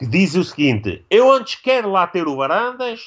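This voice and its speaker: Against a quiet background, a man with a European Portuguese accent speaks at a fairly slow pace in an animated tone, with very wide pitch swings. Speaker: football fan podcast host. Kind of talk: casual live podcast chat. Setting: rooftop terrace.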